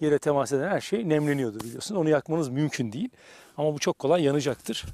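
A man with a dark, mellow tone speaks at a very fast pace, the sound dry with no echo. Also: quiet background. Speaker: bushcraft demonstrator. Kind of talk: tutorial. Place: forest.

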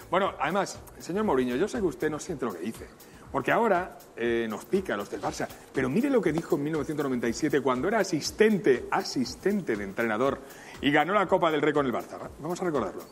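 Speaking at a fairly quick pace, a man uses a fairly high pitch with very wide swings. Light background noise sits behind him. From Spain. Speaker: TV show football expert; TV show host. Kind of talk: comedic TV banter. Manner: animated. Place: studio.

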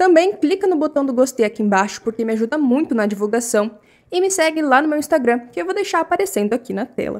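Against a quiet background, a woman with a high pitch for a woman talks at a very fast pace. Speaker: true crime channel host. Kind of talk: channel intro to camera. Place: home room. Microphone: studio mic.

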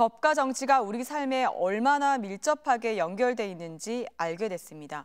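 Against a quiet background, a fairly high-pitched woman speaks at a moderate pace with hardly any pauses and very wide pitch swings. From Ulsan, South Korea (born in Busan); South Korea. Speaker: political candidate; candidate. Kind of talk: campaign speech. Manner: formal. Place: studio. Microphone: lapel.

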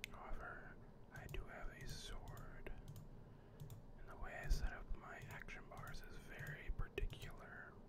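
Whispering in a relaxed tone, a man goes at a fairly slow pace with long, frequent pauses and big swings in loudness. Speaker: ASMR creator. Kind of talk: ASMR gameplay commentary. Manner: whispered; soft-spoken, relaxed.

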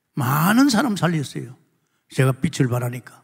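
Over a quiet background, a man talks at a moderate pace in a somewhat breathy voice. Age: 80s+. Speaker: pastor. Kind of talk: sermon. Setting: church. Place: church. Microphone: handheld.

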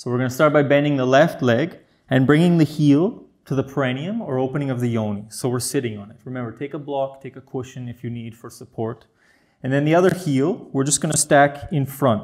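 Over a quiet background, a man with a fairly high pitch speaks at a fairly quick pace, with ordinary pitch variation and big swings in loudness. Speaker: meditation teacher. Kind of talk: guided meditation. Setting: video. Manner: warm, gentle. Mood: calm, warm, explanatory. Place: home room. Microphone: lapel.

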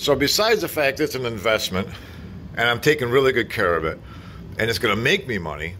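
A man talks at a very fast pace with a bright, sharp tone, very wide pitch swings and vocal fry, over light background noise. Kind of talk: casual vlog chat. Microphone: phone near.

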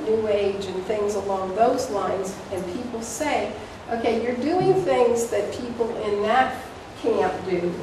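Noticeable background noise and audible room echo surround a woman's voice. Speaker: presenter. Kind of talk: lecture. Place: meeting room. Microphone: camera far.

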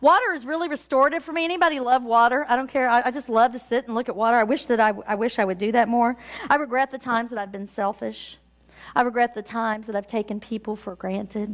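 With a warm tone and a high pitch, a woman speaks at a very fast pace against a quiet background. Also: ordinary pitch variation. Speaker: pastor. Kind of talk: sermon with personal confession, congregational call-and-response. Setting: church. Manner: confessional, repetitive cadence ('I regret that' refrain); warm, folksy, audience-engaging with asides. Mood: warm, reflective, light humor. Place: church.

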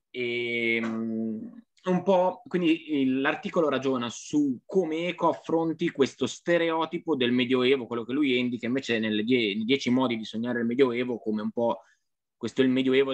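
This is a normal speaking voice. The pace is fairly quick. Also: man. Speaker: researcher. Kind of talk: academic presentation. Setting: video call.

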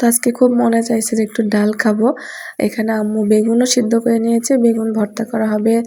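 Her intonation monotone and flat, a woman talks at a fairly high pitch. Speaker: family vlogger. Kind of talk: casual vlog narration.

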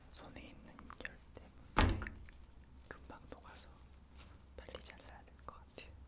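A man whispers at a fairly slow pace. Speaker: show host. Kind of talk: casual broadcast chat. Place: studio. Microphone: studio mic.

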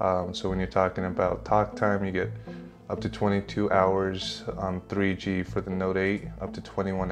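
Over music in the background, a man talks very slowly in a very deep, low voice. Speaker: tech reviewer. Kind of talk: commentary. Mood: calm, informative.

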